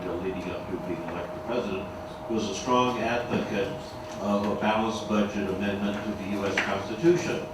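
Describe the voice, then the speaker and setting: A man moderating a conference panel, speaking haltingly with many fillers. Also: lowish voice. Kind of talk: conference remarks. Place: large conference hall. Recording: echoey hall, far mic, loud noise.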